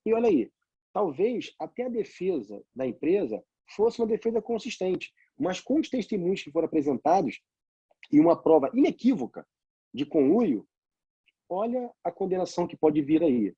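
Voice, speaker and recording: Husky-voiced Brazilian man telling a case story. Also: high voice, normal speed, no echo, highs cut off. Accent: Brazilian Portuguese. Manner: animated anecdotal storytelling with rhetorical questions. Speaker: law lecturer and practicing lawyer. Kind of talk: storytelling lecture.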